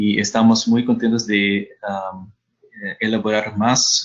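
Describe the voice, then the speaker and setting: A man with a fairly low pitch and fairly even intonation. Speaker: sustainability foundation director, guest speaker. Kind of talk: webinar presentation. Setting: online webinar. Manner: hesitant, many fillers.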